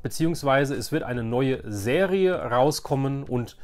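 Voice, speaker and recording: A German man in his forties hosts a YouTube show-and-tell of his childhood collections, casual and nostalgic in mood. He rambles, hesitates, and repeats phrases, speaking at a measured pace with lively intonation. His voice is medium-pitched and darkish in tone.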